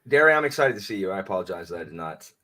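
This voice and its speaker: A man's voice: low voice, sing-song, racing, pushed and bright. A man chatting casually as a guest on a live stream, rambling and self-deprecating with lots of restarts.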